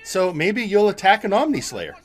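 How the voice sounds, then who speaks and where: A man hosting and commentating on a wrestling show, speaking haltingly and often repeating his words. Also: high-pitched, wildly swooping pitch. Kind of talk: live sports-entertainment commentary.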